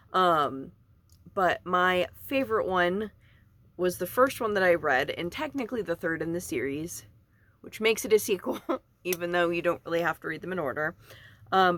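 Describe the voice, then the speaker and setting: A book vlogger chatting casually and informally about their reading, in a halting way with frequent asides. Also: mid-range voice, a bit bright, no room sound. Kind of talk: casual book review chat to camera.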